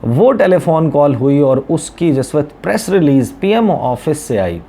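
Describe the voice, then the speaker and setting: A man's voice: on the high side, very animated, measured pace, dark tone, slight background noise. A man with a Pakistani accent, a journalist giving conversational, explanatory news commentary to viewers and mixing in English words. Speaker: journalist covering foreign policy, presenter.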